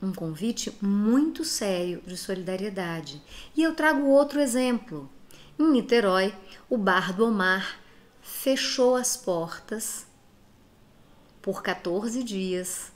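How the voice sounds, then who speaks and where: A woman's voice: medium pitch, lively intonation, slow. Earnest Brazilian woman talking directly to listeners. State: has a cold. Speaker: speaker giving reflections to followers. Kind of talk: direct-address motivational talk.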